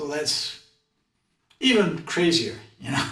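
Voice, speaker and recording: A high male voice at a fairly slow pace, swinging very widely in pitch, with audible room echo. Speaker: science educator. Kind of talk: explanatory lecture. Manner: hesitant, many fillers (you know, uh); animated, enthusiastic.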